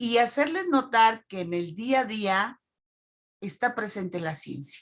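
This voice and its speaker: Against a quiet background, a woman talks at a very slow pace. Her fairly high pitch moves in very wide swings. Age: 60s. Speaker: teacher. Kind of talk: audience comment in online talk. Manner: halting, many fillers.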